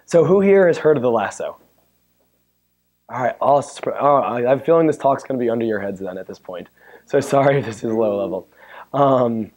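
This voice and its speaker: A man with a hoarse, worn-out voice giving a chatty, joking technical talk at a conference and bantering with the audience. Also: mid-range voice, darkish tone. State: hoarse, losing his voice. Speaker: conference speaker. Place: conference room. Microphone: handheld or stand mic.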